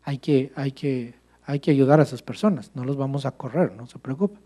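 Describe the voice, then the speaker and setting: A man preaching a sermon as pastor to his church, animated, asking rhetorical questions and addressing listeners as brother. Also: mid-range voice, moderate pace.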